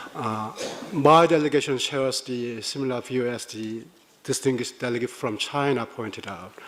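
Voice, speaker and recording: Over noticeable background noise, a man speaks at a moderate pace. His pitch is medium with ordinary variation. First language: not English. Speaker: government delegate. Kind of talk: formal intergovernmental statement. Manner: formal.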